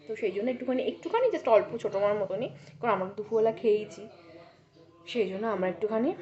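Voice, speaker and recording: A woman chatting casually to viewers in a home vlog, sometimes whispering softly so she won't wake anyone. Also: mid-range voice, muffled recording. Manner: chatty, talks straight to viewers. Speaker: vlogger.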